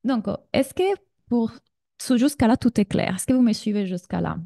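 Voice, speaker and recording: A woman's voice: on the high side, moderate pace, creaky, mellow, dry recording, clean studio sound. A woman from Sardinia in her thirties with an Italian accent, leading a live online masterclass as a business coach and chatting directly with her audience. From Sardinia, Italy.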